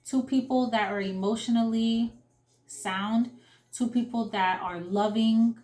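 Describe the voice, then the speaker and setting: A woman's voice: a little high, steady tone, a little slow, darkish tone, roomy sound. A young adult woman giving a casual spoken tarot reading, earnest and emotional, with many fillers and restarts. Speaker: tarot reader.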